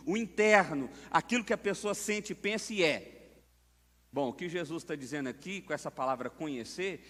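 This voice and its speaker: A man with a Brazilian accent preaches a sermon, chatting with the congregation through rhetorical questions. His voice sits fairly high and jumps up to stress key points. A long church reverb trails behind every phrase. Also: fairly bright tone. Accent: Brazilian Portuguese. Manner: conversational preaching with rhetorical questions and sudden emphatic rises. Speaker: pastor. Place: church sanctuary.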